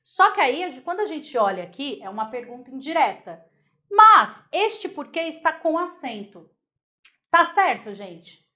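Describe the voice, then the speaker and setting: A Brazilian woman with a bright, high-pitched voice leads a grammar class for exam candidates. She talks in a lively, chatty way and keeps checking that her students are following along. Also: a little slow. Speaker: Portuguese grammar teacher. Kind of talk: exam-prep grammar lesson.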